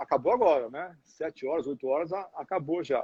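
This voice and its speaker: This man has a fairly high pitch and lively intonation. His pace is moderate. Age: 60s. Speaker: psychiatrist, addiction expert. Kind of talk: interview conversation. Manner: hesitant, many fillers.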